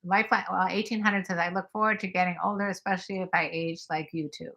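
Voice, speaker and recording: A woman's voice: fairly low pitch, fairly even intonation, quick pace, creaky, fairly bright tone. An older woman co-hosting a live stream, joking bawdily while she reads viewer comments. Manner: brash, bawdy and joking. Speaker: livestream co-host. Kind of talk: casual livestream chat reading comments.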